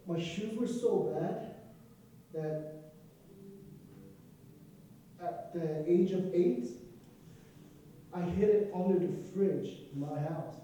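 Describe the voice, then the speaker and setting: A man's voice: sits high, slow, pauses often, dark tone, muffled recording, slight background noise. A young man from Nigeria with a Nigerian accent, telling a personal story to an audience, earnest and emotional with asides. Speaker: student speaker. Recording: echoey room, distant from the mic.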